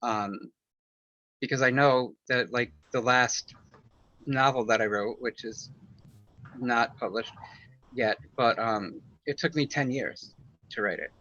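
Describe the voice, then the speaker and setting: Speaking slowly and leaving long pauses, a man with a sharp, mid-range voice answers an interview question. He's an author and guest, and his reply wanders, packed with fillers and restarts as he gets candid about personal things. The sound is dull, lo-fi, and dry.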